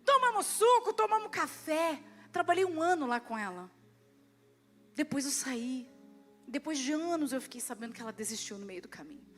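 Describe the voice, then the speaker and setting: A Brazilian woman pastor preaching at a church service, lively, swinging between loud and hushed, and acting out prayers and dialogue. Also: high voice, moderate pace, faint music behind. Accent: Brazilian Portuguese. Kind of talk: sermon.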